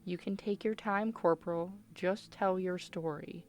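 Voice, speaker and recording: A woman's voice: fairly low pitch, steady tone, a little slow, close to an everyday voice. A woman playing a firm, clinical doctor conducting a formal interrogation in a radio play. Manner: formal, controlled, official.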